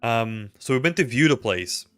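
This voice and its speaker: Soft music plays behind this animated man, whose medium-pitched voice is fairly bright and moves at normal speed. He's a thirty-something Belgian livestream host who rambles through chat questions, leaning heavily on fillers. The setup is a small indoor home room with a desk mic and headphones.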